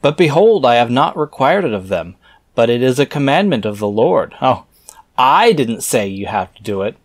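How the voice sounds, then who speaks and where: A man reading aloud casually, breaking off into halting, musing, skeptical and irreverent commentary. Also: mid-range voice, very animated, no echo.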